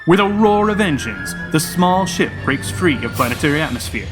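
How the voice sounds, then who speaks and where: A bombastic male announcer for an old-time radio space serial. His voice sits on the high side, grand and theatrical, over clear music. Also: sing-song, moderate pace. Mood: dramatic, suspenseful. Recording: music behind the voice.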